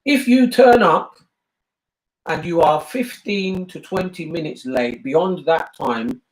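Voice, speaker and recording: A man's voice: fairly high pitch, lively intonation, slow pace. Emphatic older British man, roomy echo. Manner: earnest, emphatic, repeats himself. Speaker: bishop and family talk host. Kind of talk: casual family discussion.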